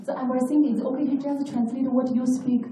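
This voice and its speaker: A woman whose first language is Chinese, a student speaking up in class in an earnest, apologetic, halting way. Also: high voice, little pitch movement, mellow, a little hiss or hum. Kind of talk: class discussion. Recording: echoey room from far off.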